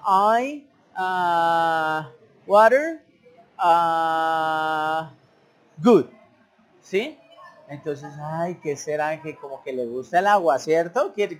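A man giving a casual, repetitive language lesson, sometimes acting out beginners' broken speech. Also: fairly high pitch. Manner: conversational, repetitive, acts out learners' broken speech. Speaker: English teacher. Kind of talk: informal teaching monologue.

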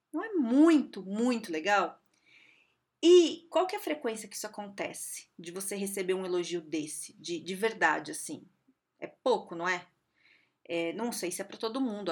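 A middle-aged woman from Brazil giving casual workplace advice to camera, chatty and lively, often acting out quoted remarks in mock voices. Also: medium pitch.

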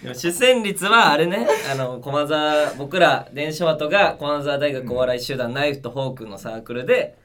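A young man hosting a comedy radio show, loud and excitable with quick retorts. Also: on the high side. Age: young adult. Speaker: radio host.

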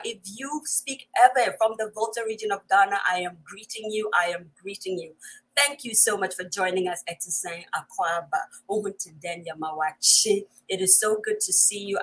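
A woman's voice: medium pitch, poor audio. A woman chats to viewers as host of a live online show, effusive and often repeating her phrases. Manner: effusive, repeats phrases, greets in many languages. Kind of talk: chatty livestream greeting of viewers.

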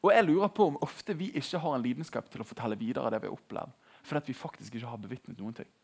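A young man giving a casual, animated sermon in a conversational tone. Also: medium pitch, vocal fry, breathy edge. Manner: conversational, animated, laughing at his own jokes. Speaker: preacher.

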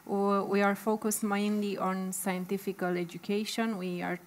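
A woman's voice: medium pitch, level tone, measured pace, a little hiss or hum. A woman from Romania with a Romanian accent, introducing herself informally as a panel guest. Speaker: panel guest, association representative.

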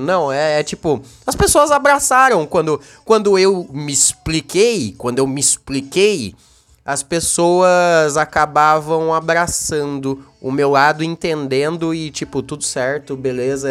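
A man's voice: fairly high pitch, fairly bright tone. A young Brazilian man hosting a casual solo podcast, talking in a heated, slangy way and repeating himself as he gets worked up. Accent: Brazilian Portuguese. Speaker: podcast host.

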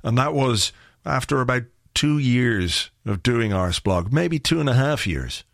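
Irish male podcast host, slightly croaky, rambling and wry, dry booth sound. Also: mid-range voice, lively intonation, unhurried, no room sound. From Ireland. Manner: rambling, wry and chatty, with filler words. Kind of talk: casual solo podcast chat.

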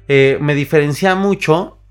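A man with a Mexican accent, a podcast host and singer, telling stories in a casual, animated monologue full of fillers and restarts. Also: on the high side, a little slow, smooth. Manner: animated storyteller, acts out quoted voices, frequent fillers and restarts.

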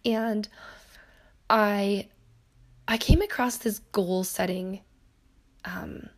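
A woman in her thirties hosts a solo podcast, chatting through her own story in a mid-range voice that is hoarse and keeps cracking. She draws out her words, laughs a lot, and drifts off onto tangents.

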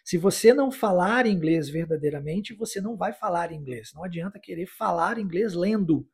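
A man from Brazil teaching English in a podcast lesson, explaining phrases and then repeating the English lines slowly for listeners to practise. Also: high voice, animated, gravelly, slightly rough. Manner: encouraging, with tag questions like "né?" and "tá?".

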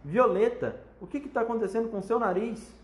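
A man voicing a shrill, panicking middle-aged mother in a storybook reading. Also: fairly quick, roomy sound. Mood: frantic. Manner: shrieking, frantic.

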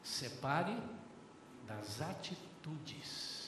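Older Brazilian pastor, high voice, animated sermon with acted-out dialogue, recorded far off in a very echoey church hall. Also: male voice, drawn-out words, noisy background. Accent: Brazilian Portuguese. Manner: lively, acts out dialogues, often addresses the congregation as brothers.

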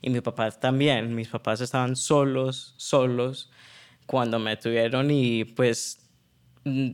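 A man, talking as a podcast guest and pausing often with fillers and restarts. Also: medium pitch, smooth. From New York, United States. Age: 20s. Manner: hesitant, many fillers and restarts. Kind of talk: casual conversational interview.

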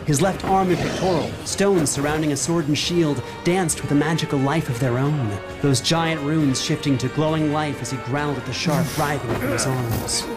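A man's voice: on the high side, normal speed, hardly any pauses. A man narrating a horror fantasy game as game master, in a solemn, suspenseful, dramatic style. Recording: loud music bed. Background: music.

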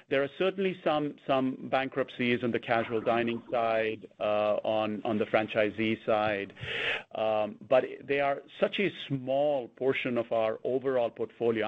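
A man speaking as a company executive, giving unscripted answers on an earnings call and often restarting his sentences. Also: mid-range voice. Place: conference call. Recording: dull, band-limited conference call audio.

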